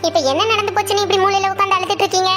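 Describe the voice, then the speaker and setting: A woman voicing a practical, sharp-tongued middle-aged wife who coaxes and teases her husband. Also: very high-pitched, fairly even intonation, very fast. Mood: coaxing. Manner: coaxing then teasing. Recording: soft music underneath.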